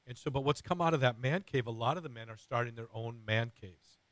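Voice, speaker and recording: Hoarse, raspy middle-aged male radio host. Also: mid-range voice, a little fast, fairly bright tone, no room sound. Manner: earnest, rambling with many fillers and restarts.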